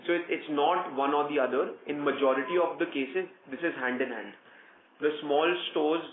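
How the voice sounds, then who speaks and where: A man with an Indian accent, a company executive, giving measured, explanatory answers on an earnings call over a conference phone line. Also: on the high side. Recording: echoey tinny conference phone line with noise.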